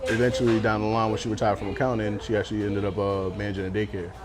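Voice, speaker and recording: Very fast speech comes in an American accent with monotone, flat intonation. There is music in the background and audible room echo. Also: man. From Boston, Massachusetts (Hyde Park, Dorchester). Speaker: barber. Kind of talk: interview.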